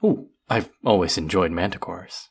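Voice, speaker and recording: A man's voice: deep voice, moderate pace, creaky, breathy edge, heavily acted. A man playing a cruel, powerful, vain sorcerer in a fantasy audio roleplay, speaking to the listener in a theatrical, menacing drawl. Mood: condescending, pleased.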